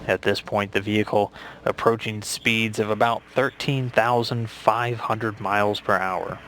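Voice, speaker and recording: An American man giving measured, matter-of-fact live commentary from mission control. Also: fairly low pitch, steady tone, fairly bright tone, slight background noise.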